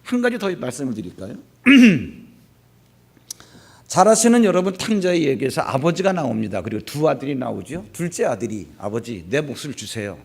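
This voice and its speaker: A husky-voiced man delivers a sermon as pastor, his fairly high voice swinging widely up and down as he tells and acts out stories. The delivery is animated and conversational. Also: moderate pace. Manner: animated storytelling, acting out scripture scenes.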